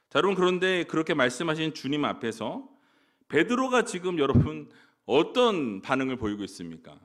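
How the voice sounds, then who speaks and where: 억양이 풍부하고 음높이가 약간 높은 남자 목사가 설교한다. 회중에게 자주 질문을 던지고 "예"라는 말로 흐름을 이어 간다. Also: male voice, high-pitched, a bit bright. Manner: asks the congregation questions, fillers like "예". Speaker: pastor. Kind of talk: sermon.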